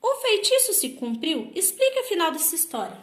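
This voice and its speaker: A woman with a Brazilian Portuguese accent, a primary school teacher giving a recorded lesson to children and sounding out words slowly, syllable by syllable. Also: very high-pitched, big pitch swings. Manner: slow, exaggerated syllable-by-syllable explanations. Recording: echoey room.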